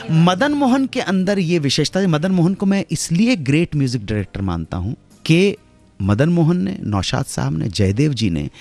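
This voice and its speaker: A middle-aged man hosting a radio show, telling stories in a dramatic way that swings from hushed asides to loud exclamations. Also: on the high side. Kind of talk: storytelling radio narration. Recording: radio broadcast with faint music underneath.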